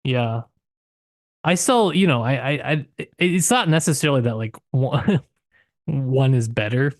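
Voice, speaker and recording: A man's voice: mid-range voice, expressive, unhurried, dry recording, clean studio sound. A man co-hosting a podcast in casual book discussion, tentative, often circling back to rephrase as he thinks aloud. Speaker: podcast co-host.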